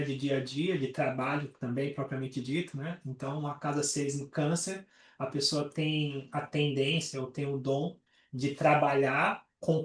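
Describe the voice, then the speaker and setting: A man leads a study group on a call and teaches in a relaxed, chatty way. His voice sits a little high. He is heard from a distance in a roomy, echoing space. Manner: explains with everyday examples, many fillers like "né". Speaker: astrologer leading a study group. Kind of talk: casual teaching talk.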